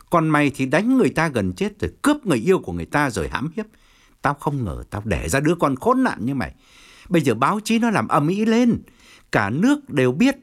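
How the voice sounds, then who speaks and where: A man voicing a domineering middle-aged provincial chairman who scolds and gives orders in an audiobook. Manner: furious scolding, then lowered calculating tone. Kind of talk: audiobook character reading.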